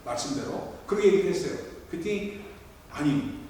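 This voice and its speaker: Pastor preaching, higher voice, long echo from far off in a big church. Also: male voice, very animated, brisk, slight background noise. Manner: storytelling, acting out quotes, shouting at peaks. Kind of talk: sermon. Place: large church sanctuary. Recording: echoey hall from far off.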